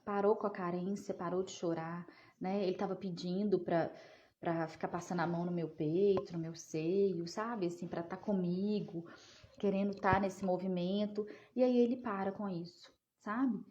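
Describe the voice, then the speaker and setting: A woman's voice: lowish voice, steady tone, normal speed, mellow, muffled recording, slight background noise. Psychologist mother chatting with viewers. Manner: chatty, often asks "né?", talks to viewers as "gente". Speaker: child psychologist answering viewer questions. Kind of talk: casual live Q&A.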